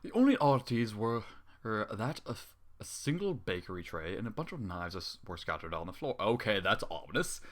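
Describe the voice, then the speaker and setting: Exasperated man with wildly swinging pitch. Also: very animated, a little fast. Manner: sarcastic, swearing, exasperated. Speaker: fan fiction reader. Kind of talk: reading a story aloud with exasperated running commentary.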